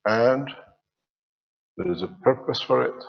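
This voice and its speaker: A man teaching in a slow, measured way, his phrases trailing off at the ends. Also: mid-range voice, vocal fry, in a large hall, dull audio. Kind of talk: spiritual teaching lecture.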